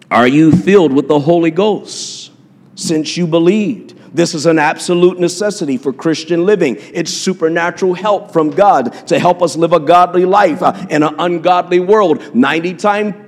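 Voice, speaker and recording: A man's voice: fairly high pitch, a little mellow, big-room sound. A man preaching a sermon in a church, impassioned and repetitive, with frequent fillers and restarts. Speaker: pastor.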